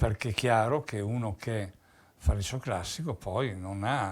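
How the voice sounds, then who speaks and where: A man's somewhat breathy, fairly low-pitched voice with ordinary pitch variation. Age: 60s. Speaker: former factory worker and trade union delegate. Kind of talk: oral history interview. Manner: halting.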